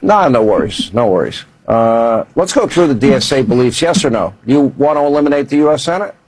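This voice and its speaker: A man interviewing a candidate, pushy and interrupting with rapid questions. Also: mid-range voice, lively intonation, a little mellow, slightly rough, no room sound, rough recording. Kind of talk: confrontational interview.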